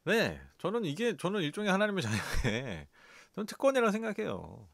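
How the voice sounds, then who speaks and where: A middle-aged man preaching a sermon as pastor, conversational and lively, asking his listeners rhetorical questions. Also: sits high, a little fast, gravelly, no echo. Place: church.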